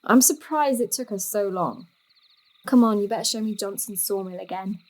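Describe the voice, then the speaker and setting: An actress playing an inquisitive, slightly impatient teenage daughter with a plain-spoken, questioning manner in an audio drama. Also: female voice, mid-range voice, normal speed, darkish tone, a little hiss or hum, natural voice, rough recording. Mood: probing.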